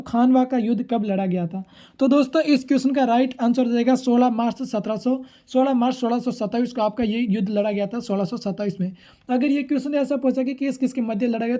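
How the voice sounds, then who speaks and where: A man's voice: very high-pitched, mellow. A man teaching exam prep, going informally through questions and answers in a repetitive, formulaic way.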